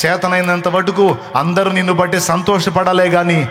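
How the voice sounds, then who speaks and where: A man preaches a sermon with fervor, hammering phrases again and again and slipping into soft, reassuring asides. His voice sits fairly high for a man. The sound rings with a long reverb, as in a large hall. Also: little pitch movement, normal speed, soft background music. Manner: emphatic, repeats phrases, acts out comforting words. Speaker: pastor.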